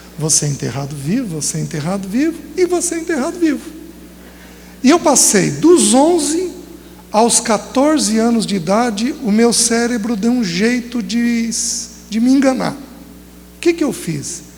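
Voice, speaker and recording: With noticeable background noise and audible room echo, a man speaks at a fairly slow pace with an extremely high pitch and very wide pitch swings. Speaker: preacher. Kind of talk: sermon. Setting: women's retreat, audience.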